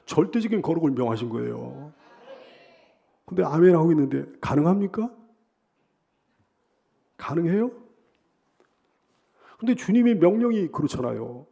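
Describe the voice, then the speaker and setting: Male pastor, high gravelly voice, dark mellow tone, sermon, repeats phrases for emphasis. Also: expressive, normal speed, pauses often. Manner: preaching with rising emphatic bursts.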